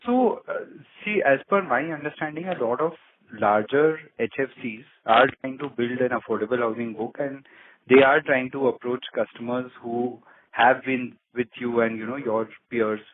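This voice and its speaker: A man's voice: medium pitch, moderate pace. A man asking analytical questions as an analyst on a conference call. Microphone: phone call. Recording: thin phone line, faint noise, clicks.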